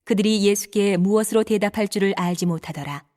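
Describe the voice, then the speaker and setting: A woman with a medium-pitched voice narrates the scripture of an audio Bible drama, speaking a little fast. She keeps an even, steady manner, carrying the story smoothly between the characters' lines.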